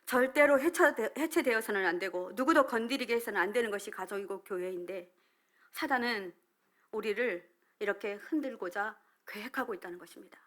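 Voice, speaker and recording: A middle-aged woman pastor giving a sermon with a personal testimony, moving between loud emphasis and hushed whispered asides. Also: mid-range voice, a little fast.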